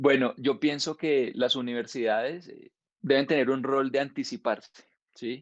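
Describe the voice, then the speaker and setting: A man speaks in a normal speaking voice with fairly even intonation. He goes at a fairly slow pace against a quiet background. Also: fairly high pitch for a man. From Colombia, Valle del Cauca. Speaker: marketing professor. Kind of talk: interview conversation.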